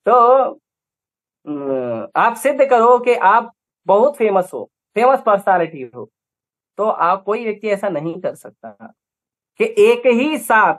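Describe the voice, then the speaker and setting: A man with an Indian accent giving a scripture lecture, emphatic, with rhetorical questions and repeated lists. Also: high voice. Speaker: preacher.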